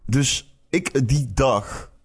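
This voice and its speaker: A man's voice: medium pitch, slow, husky. A man co-hosting a podcast in casual chat, talking animatedly with many restarts and laughs as he tells a story. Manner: animated, stumbling restarts, laughs while telling. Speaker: podcast co-host.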